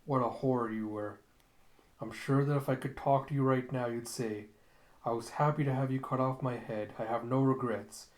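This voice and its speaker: A man's voice: mid-range voice, steady tone, moderate pace, close to an everyday voice. Man as an anguished, brooding killer, echoey room. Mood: bitter grief. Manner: brooding, bitter, melodramatic. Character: anguished, deranged male killer, self-loathing and vengeful.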